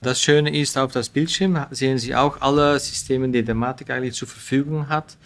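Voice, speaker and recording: A man's voice: medium pitch, fairly even intonation, normal speed. Belgian man, podcast guest at a trade fair, with fillers. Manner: slightly non-native grammar with frequent fillers. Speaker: company representative, guest.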